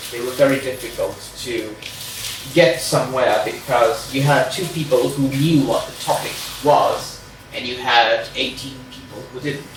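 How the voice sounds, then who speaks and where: A man's voice: medium pitch, a little hiss or hum. A man from Portugal with a Portuguese accent, a non-native English speaker, giving a careful, hedging introductory talk to a reading group. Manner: careful, hedging, many "sort of" fillers. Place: room at a group meeting. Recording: very echoey room, mic far off.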